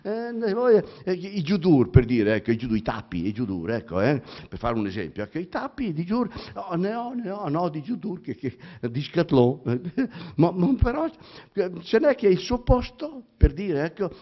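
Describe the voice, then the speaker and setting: A man with a Romagna accent reading a theatrical monologue aloud, halting and stammering, full of repetitions and fillers. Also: on the high side, big pitch swings. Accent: Romagna Italian. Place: public library reading event. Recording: dull lo-fi recording.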